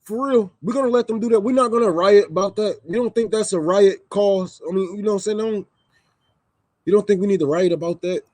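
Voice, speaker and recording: A man's voice: high voice, brisk, darkish tone, no echo. A man on a livestream, ranting heatedly and with profanity, repeating lines for emphasis. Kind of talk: livestream rant. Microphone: microphone.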